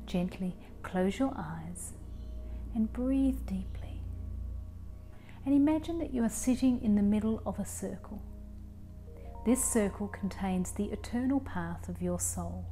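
A woman in her forties leading a guided meditation in a calm, soothing, soft voice that gets breathy at phrase ends. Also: mid-range voice. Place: small living room, indoors. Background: soft music.

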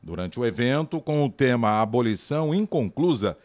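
A man reading a scripted news report in a measured newsreader delivery. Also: mid-range voice, expressive, darkish tone.

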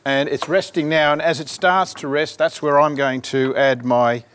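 A man's voice: on the high side, fairly even intonation, fairly bright tone, slight background noise. Aussie chef guy making his case in a tv kitchen, um and uh a lot. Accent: Australian. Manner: opinionated, explains with pauses. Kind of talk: cooking show banter. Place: studio kitchen set.

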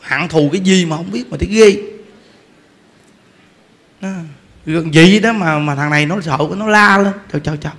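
A man with a Southern Vietnamese accent giving a humorous Buddhist sermon, telling a story with lively repetition and frequent laughter. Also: high-pitched, moderate pace, long pauses. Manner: animated storytelling, repeats words, laughs often. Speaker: Buddhist preacher. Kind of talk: humorous dharma talk.

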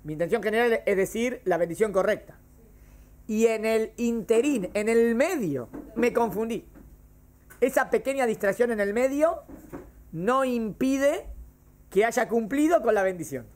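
A man's voice: extremely high pitch, lively intonation, measured pace, a little mellow. A man teaching a classroom lesson on Jewish law, repeating each case and checking that his students follow. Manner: explains by repeating cases and quizzing students. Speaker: religion teacher.

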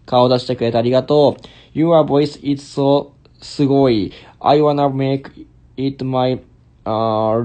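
A man's voice: on the high side, darkish tone. A man in his twenties, a Japanese speaker with a Kansai accent, chatting casually on a livestream as he reads out comments and slips in simple English phrases. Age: 20s. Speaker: stage actor hosting a livestream. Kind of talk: casual livestream chat, reading out viewer comments. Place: small indoor bedroom or hotel room. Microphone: phone held close while lying on a bed.

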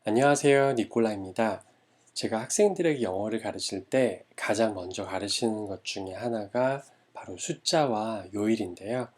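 A man teaching a language lesson, modeling each word slowly and repeating it for learners. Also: on the low side. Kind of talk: slow, careful language lesson.

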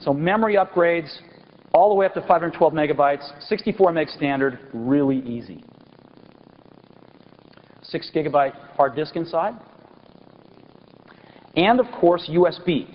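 A man in his forties giving an enthusiastic product launch keynote on a large auditorium stage, pausing for effect and stressing key words. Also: on the high side, animated. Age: 40s. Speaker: company executive presenting a product keynote. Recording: dull lo-fi 1999 event recording with faint hiss.

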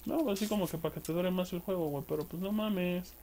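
A man's voice: sits high, brisk, dark tone, a little hiss or hum. A man with a Mexican accent giving casual, crude, slang-heavy commentary while playing a game. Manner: crude slangy banter, swearing at enemies. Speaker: gameplay streamer. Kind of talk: casual let's-play commentary.

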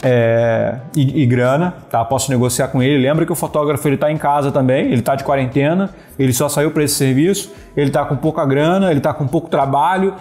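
A man in his thirties from Brazil, talking straight to camera and giving business advice with animated hand gestures, often checking in with the viewer. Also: medium pitch, brisk, few pauses, faint music behind. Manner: animated, gesturing, steady talk punctuated with "né?" and "beleza". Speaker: e-commerce business coach. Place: small indoor room with wooden slat wall. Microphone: wired earphone headset mic.

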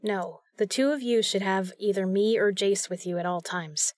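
Audio drama heroine: actress as decisive female spy, commanding, no-nonsense, mid-pitched voice, close dry studio sound. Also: moderate pace, no echo, close to an everyday voice. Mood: focused. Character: brisk, decisive, principled female secret agent.

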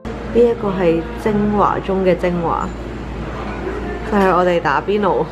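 A young woman with a Hong Kong Cantonese accent, narrating a travel vlog in a chatty, excitable way and exclaiming over food. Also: lowish voice. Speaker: travel vlogger. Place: restaurant table, indoors. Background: background music.

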